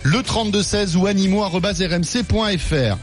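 A man's voice: sits high, brisk. A man hosting a live morning radio show, joking and bantering with his guest. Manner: jovial, teasing banter. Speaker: radio host. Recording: radio broadcast with faint music.

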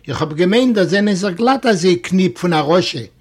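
A man reads a classic story aloud in a fairly high voice. His telling is expressive, and it rises into animated exclamations when the characters grow heated. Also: normal speed, slightly rough. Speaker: reader.

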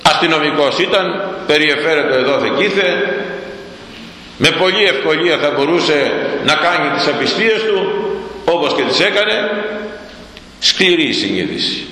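A man's voice: a little high, animated, pushed and bright, very echoey, big-room sound, rough recording. A man preaching a sermon, emphatic and repeating key words for effect.

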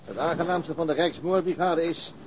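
An actor playing an amiable visiting city detective in a naturalistic radio drama. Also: male voice, on the high side, normal speed, a little hiss or hum, natural voice, rough recording. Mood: relaxed, curious.

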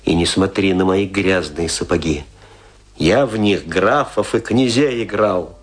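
An actor playing a lonely, embittered, hard-drinking stage actor in a radio play, declaiming theatrically and broodingly with a husky voice. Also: male voice, deep voice. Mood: defiant, drunken. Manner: declamatory, brooding, with rhetorical questions and long pauses. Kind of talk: theatrical dramatic monologue, Russian radio play.

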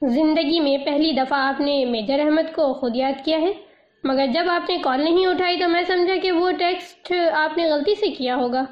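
A woman reading the lines of a composed male army major in a measured, gently reassuring way. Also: sits high, close to an everyday voice. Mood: calm. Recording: dull lo-fi audio.

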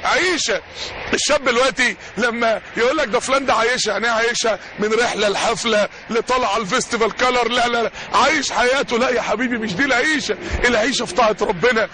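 A young Egyptian man preaching an impassioned sermon, building fervently and shouting out key lines. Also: extremely high pitch, quick pace, a little hiss or hum. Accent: Egyptian Arabic.

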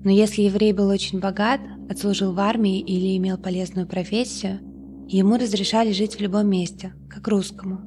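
A woman reading an audiobook in a calm, measured first-person narration. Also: medium pitch, noisy background.

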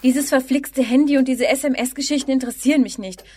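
A protective mother in a radio drama. Her voice is somewhat husky and a bit high, and she speaks sternly. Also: normal speed, warm tone. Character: worried mother of the boy. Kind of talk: German radio drama acting.

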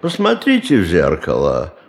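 A man's voice: low-pitched, huge pitch swings, normal speed, creaky, full character voice. An actor playing a condescending male boss in a radio play, brusque and dismissive, with a patronizing, skeptical drawl. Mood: patronizing pity. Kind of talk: Russian radio play acting.

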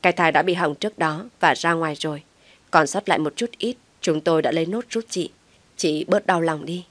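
A woman voicing a calm, professional hospital doctor who speaks in a measured, soothing way. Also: sits low, dry recording.

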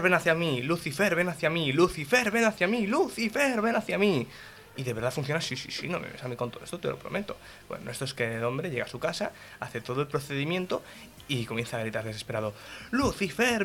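A man telling jokes on a local radio comedy show, lively and chuckling as he goes. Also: medium pitch. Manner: lively storyteller who stumbles and laughs mid-joke.

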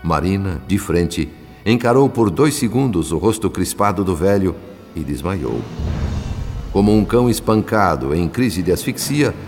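A man with a Brazilian accent narrating a radio soap opera in a measured, solemn, dramatic way. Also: deep voice, lively intonation, darkish tone, long reverb tail, soft background music. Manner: measured, solemn, literary phrasing.

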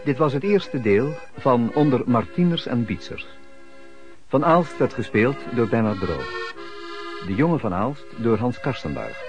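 A man's voice: mid-range voice, lively intonation, unhurried. A man formally reading the closing credits of a radio play as the announcer. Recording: dull, band-limited old radio recording. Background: accordion music.

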